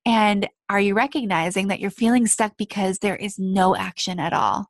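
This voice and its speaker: A woman's voice: mid-range voice, moderate pace, dry recording. Encouraging nasal woman coach. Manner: encouraging, addresses listeners as friends. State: a little nasal. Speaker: life coach and podcast host. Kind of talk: motivational talk.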